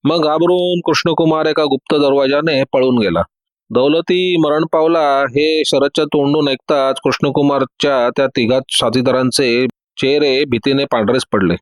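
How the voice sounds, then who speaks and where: A man narrating a detective audiobook in a steady storytelling manner. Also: mid-range voice, moderate pace, no room sound.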